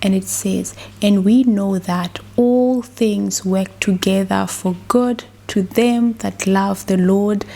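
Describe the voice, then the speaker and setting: A woman with a South African accent speaking in a soft, partly whispered ASMR style, gently reading scripture and praying in a reassuring, encouraging way. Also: medium pitch, creaky. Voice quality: soft, hushed, slipping into whisper. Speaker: host of Christian ASMR devotional.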